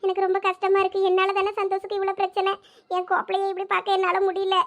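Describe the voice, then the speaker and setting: A woman's voice: very high-pitched, completely flat delivery, quick pace. A woman voicing a tearful captive young wife. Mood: despairing. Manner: tearful, pleading. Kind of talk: audio drama acting.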